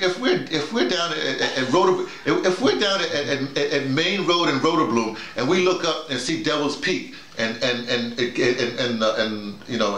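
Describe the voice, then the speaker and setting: Here the middle-aged workshop leader, who teaches audio drama, has a slightly bright voice pitched toward the high side. He leads a loose discussion in a small, bare bedroom whose echo makes the sound roomy. His points land with emphasis through repetition and acted-out scenes.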